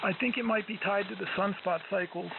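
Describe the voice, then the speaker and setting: A man chatting casually as an amateur radio operator, halting and hesitant, over a narrow shortwave radio link. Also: high voice, fairly even intonation, gravelly. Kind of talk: casual on-air radio chat. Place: amateur radio transmission on 40 meters. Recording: tinny narrow-band shortwave radio, noisy static.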